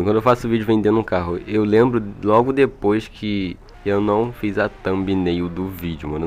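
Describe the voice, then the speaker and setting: Male gamer, Brazilian accent, low-pitched, chatty and informal, light music underneath. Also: darkish tone. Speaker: gaming video creator. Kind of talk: casual gameplay commentary. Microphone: old microphone. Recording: music behind, old microphone.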